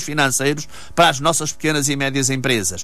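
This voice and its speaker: A man is speaking. Music plays in the background. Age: 60s. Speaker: professional association president and former MP. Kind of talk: radio phone-in discussion. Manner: hesitant, repetitive.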